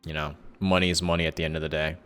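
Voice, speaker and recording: Male streamer, low smooth voice, informal and rambling, talking to viewers over faint music. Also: flat delivery, racing, a bit bright. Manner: rambling, thinking aloud, self-correcting. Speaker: live streamer and content creator. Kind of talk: casual livestream chat with viewers. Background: background music.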